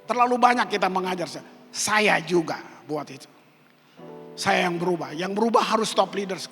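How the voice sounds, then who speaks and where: A man's voice: sits high, moderate pace, a bit bright. A male pastor preaching a sermon, telling personal stories with acted-out quotes in casual slang. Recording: echoey hall with music behind.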